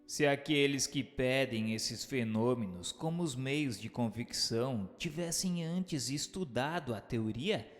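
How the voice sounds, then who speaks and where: A man narrates at a middling pitch, with music behind him. His reading is formal and measured, like a teacher setting out a scripted text for radio. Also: no echo.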